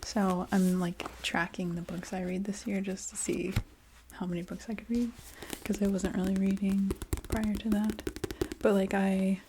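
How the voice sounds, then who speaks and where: A woman chatting casually in a soft ASMR voice that often drops into a whisper. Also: medium pitch, little pitch movement, normal speed, background noise. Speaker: ASMR video creator. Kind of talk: soft-spoken ASMR, casual rambling chat.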